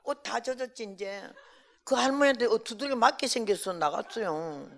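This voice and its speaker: Gravelly-voiced old woman missionary. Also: fairly high pitch, moderate pace. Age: older. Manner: lively storytelling, acting out dialogue. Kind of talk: testimony sermon.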